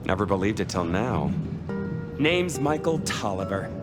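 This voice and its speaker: A man's voice: on the low side, very animated, unhurried, loud music behind the voice. Campy, sassy male vampire, wildly swooping. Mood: wry. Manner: campy, theatrical, teasing. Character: flamboyant, sassy male Nosferatu vampire, campy and foul-mouthed. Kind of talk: video game voice acting.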